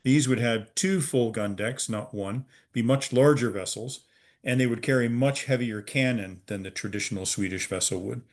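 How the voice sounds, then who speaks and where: A middle-aged American man from Virginia, a museum's head of research, explaining history as an interview guest over a video call, measured and pausing often with "uh". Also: mid-range voice. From Virginia, USA. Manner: measured, with frequent "uh" pauses.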